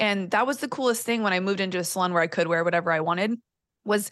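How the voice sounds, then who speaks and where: Against a quiet background, a woman speaks at a medium pitch with lively intonation. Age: 40s. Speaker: podcast coach and former beauty entrepreneur. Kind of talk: casual interview chat.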